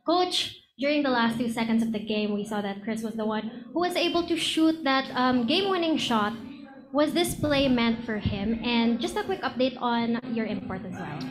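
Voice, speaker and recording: A woman's voice: a little high, normal speed, background noise. A woman moderating a press conference, asking formal interview questions.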